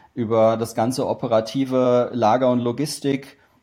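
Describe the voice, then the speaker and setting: A man's dark, mellow voice, monotone and flat, at a fairly slow pace. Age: 40s. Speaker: physicist and startup founder. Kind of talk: interview. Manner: halting, many fillers.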